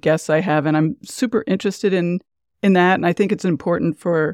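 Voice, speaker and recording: A woman with an American accent and a normal speaking voice, medium in pitch, fairly quick, with lively intonation and a dry, close sound with no echo. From Philadelphia, US. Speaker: podcast host, guest. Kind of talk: interview. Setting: remote recording.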